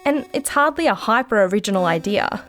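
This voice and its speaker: A woman's voice: mid-range voice, animated, fairly quick, fairly bright tone, faint music behind, close to an everyday voice. A woman playing a curious, wry podcast host in a conversational, naturalistic audio drama style. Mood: measured, wry.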